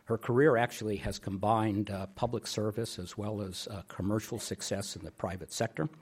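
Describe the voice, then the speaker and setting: A middle-aged man with a fairly low, husky voice makes a podium speech as host. He delivers a formal introduction, halting and deliberate. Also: fairly even intonation.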